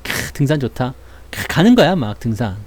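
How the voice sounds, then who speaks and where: A man's voice: mid-range voice, sing-song, moderate pace, a little mellow, dry recording. A man hosting a stock market channel, talking in a casual, playful way and acting out little voices as he chats. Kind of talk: casual chat.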